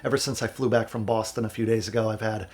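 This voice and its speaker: A man in his thirties from central Wisconsin, a music producer giving earnest, candid motivational advice to camera, raspy and stuffed up with a cold. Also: lowish voice, steady tone, quick pace. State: sick with a cold, stuffy nose. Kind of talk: vlog advice talk to camera.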